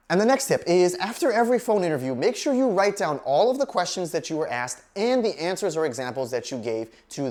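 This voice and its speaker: A woman presenting scripted career advice to camera, explaining point by point with clear emphasis. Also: fairly low pitch, darkish tone. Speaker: career advice host, recruiter. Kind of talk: scripted instructional video talk to camera.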